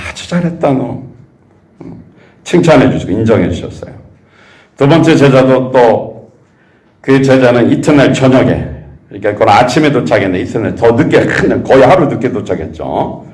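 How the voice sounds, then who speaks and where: A male pastor from South Korea delivers a sermon with a lively, swooping pitch. He asks the congregation rhetorical questions as he goes. His voice rings through a roomy church sanctuary.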